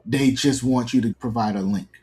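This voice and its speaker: A man's voice: medium pitch, moderate pace, darkish tone, faint music behind. A man in his early forties giving earnest, reflective, detailed answers as a guest in a conversational interview. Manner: earnest, reflective, explains at length. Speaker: interview guest, fiction podcast creator.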